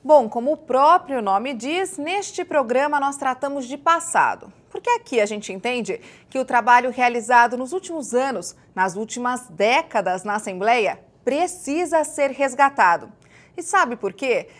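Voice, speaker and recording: A woman hosting a talk program, with a somewhat high voice. She talks in a chatty, playful way and nudges her guest along with short questions. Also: animated, measured pace. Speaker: host. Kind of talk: program intro and interviewing.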